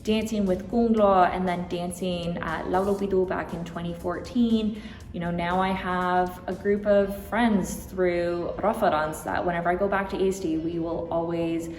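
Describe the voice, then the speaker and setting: A woman's voice: fairly low pitch, steady tone, normal speed, darkish tone. Woman answering in a roomy hall. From Toronto, Canada. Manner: reflective, with frequent ums and likes. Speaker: interview guest. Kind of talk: conversational interview answers. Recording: roomy hall reverb, faint music.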